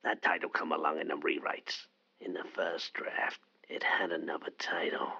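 A sinister masked phone killer, extremely low gravelly whisper, taunting. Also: male voice, fairly even intonation, normal speed, bright, forceful tone, highs cut off, full character voice. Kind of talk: audio play acting.

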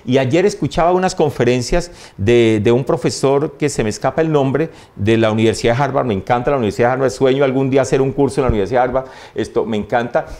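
A man, a priest, telling stories in a warm way and often laughing during an interview. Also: mid-range voice, fast, hardly any pauses. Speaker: priest, guest. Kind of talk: interview anecdotes. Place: TV studio.

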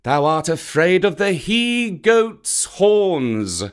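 Storybook role: a man voicing a sly black panther, sweet and mocking, slow, lively pitch. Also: clear, resonant tone, full character voice.

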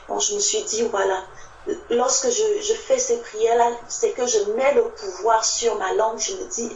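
A woman's voice: mid-range voice, a little mellow. A woman from a church group giving an informal, personal testimony of faith at a Bible sharing meeting. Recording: muffled, distant, echoey, noisy recording.

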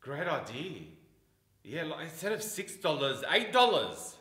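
A man's voice: a little high, big pitch swings, measured pace, a bit bright, reverberant. An actor playing a laid-back young male food truck partner with a casual, easygoing manner. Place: studio with plain backdrop.

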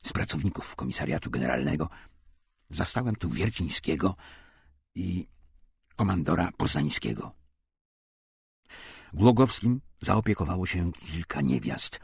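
A male narrator reads a war memoir in a deep, rough voice full of fry. His delivery is scripted and dramatic, with widely moving intonation. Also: no echo, studio quality. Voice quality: gravelly, husky. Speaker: audiobook narrator.

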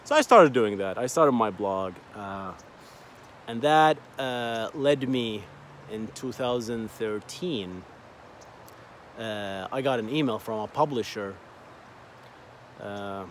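A man's voice: fairly low pitch, slight background noise. A man in his thirties whose first language is Arabic, telling his story in a casual, rambling vlog with many fillers and repeated words, filmed on a phone at arm's length outdoors by a lake. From Bahrain. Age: 30s. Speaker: vlogger. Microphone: phone held at arm's length.

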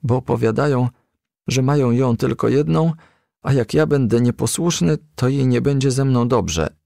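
A man's voice: medium pitch, moderate pace, creaky, dark tone, no echo, clean studio sound, pitched above the performer's own voice, close to an everyday voice. A man voicing an earnest, heartbroken young male firefly in a storybook, plaintive and pleading. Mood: tearful, dejected.

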